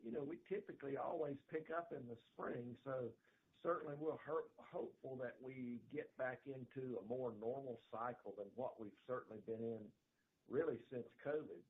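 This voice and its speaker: A middle-aged man, a company executive answering analysts on a conference call in a folksy, hedging, halting way. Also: mid-range voice. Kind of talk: unscripted earnings call answer. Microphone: telephone conference call. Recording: narrow phone line with clear noise.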